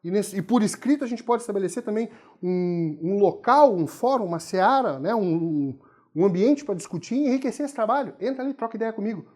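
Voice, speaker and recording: A man's voice: sits high, animated, a little fast, darkish tone. A man teaching a video writing lesson. He talks emphatically and keeps asking rhetorical questions and answering them himself.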